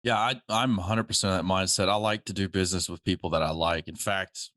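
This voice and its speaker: Lively laughing man hosting a podcast. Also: low-pitched, fast talker, no echo, clean studio sound. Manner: animated storyteller, laughs often, mimics others. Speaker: podcast host. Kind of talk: casual interview chat.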